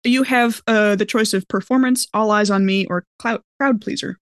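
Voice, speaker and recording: A woman playing a tabletop role-playing game, chatting casually and in an animated, interjecting way. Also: mid-range voice, moderate pace, no room sound. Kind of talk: casual improvised in-character game chat.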